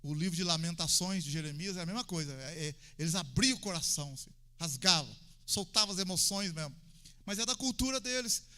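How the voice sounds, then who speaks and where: A man with a Brazilian Portuguese accent preaching an evangelical sermon in a colloquial, conversational way, acting out prayers with sudden loud, high shouts. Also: lively intonation, brisk. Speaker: pastor.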